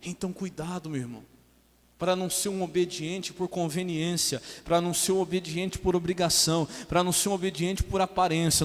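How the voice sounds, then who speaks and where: A man's voice: high-pitched, in a large hall. A man preaching a sermon as pastor in a church, emphatic, calling for amens and mimicking his congregation.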